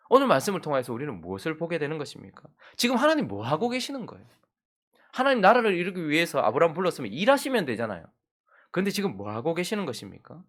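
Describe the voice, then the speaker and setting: Animated male pastor preaching a dramatic sermon. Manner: dramatic, asks many rhetorical questions and acts out quoted speech; alternates loud emphatic bursts with hushed low passages. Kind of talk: early-morning sermon.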